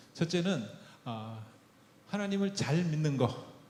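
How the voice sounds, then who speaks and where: A somewhat breathy man at a very slow pace, lively in intonation, with audible room echo. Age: 60s. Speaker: church elder preaching. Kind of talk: sermon.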